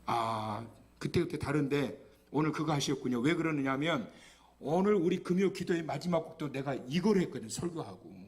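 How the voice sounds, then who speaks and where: A male guest pastor preaching a lively sermon at a Friday night church service, joking and having the congregation repeat phrases after him. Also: a little high, normal speed.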